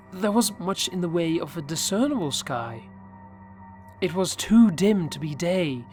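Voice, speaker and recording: A man reading a first-person horror story aloud, measured, dropping low and quiet at the tense parts. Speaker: narrator. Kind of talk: scripted horror story narration.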